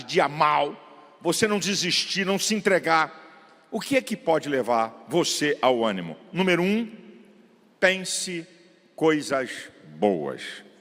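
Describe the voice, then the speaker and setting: A middle-aged man preaching a fiery sermon in a large church, his high voice leaping up and down in pitch. He shouts the peaks, drops to quiet asides, and stretches out words for weight. His sound rings with a long hall reverb. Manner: emphatic preaching, swings from shouts to low asides; draws out words for emphasis. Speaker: pastor.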